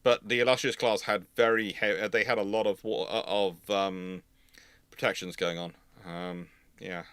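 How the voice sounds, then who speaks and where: A man with a bright, forceful voice in a dry, close recording. He hosts a live history discussion and explains his views emphatically, wandering into digressions as he goes. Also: lowish voice, steady tone, normal speed, clean tone, no echo. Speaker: host, naval historian. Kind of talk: live question-and-answer discussion.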